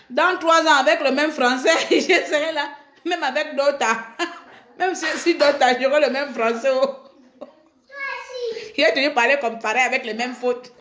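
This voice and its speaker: A woman's voice: high-pitched, a bit bright. A middle-aged woman from Gabon, chatting casually on a live stream, teasing her viewers and laughing often.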